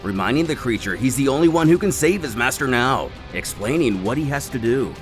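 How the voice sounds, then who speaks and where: A mid-range, expressive male voice delivers a brisk, theatrical reading of a scripted action story. It's dramatic comic narration, backed by dramatic music.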